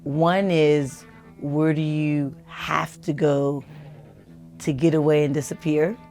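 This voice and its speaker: A woman co-hosting a casual family talk, thoughtful and measured, often trailing off mid-thought. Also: low-pitched, steady tone, darkish tone, faint music behind. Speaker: podcast co-host.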